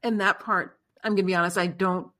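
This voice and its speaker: A woman's voice: medium pitch, fairly even intonation, fairly quick, sharp tone. A woman hosting a podcast interview, speaking in a hesitant way and correcting herself as she goes. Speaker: podcast host. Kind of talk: casual interview chat.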